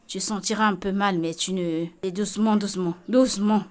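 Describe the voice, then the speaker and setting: A woman's voice: medium pitch, steady tone, brisk, natural voice. A woman dubbing a film role: an outspoken, caring woman who talks bluntly and repeats herself insistently. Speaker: Vicky, friend tending a beaten woman. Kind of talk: French film dub.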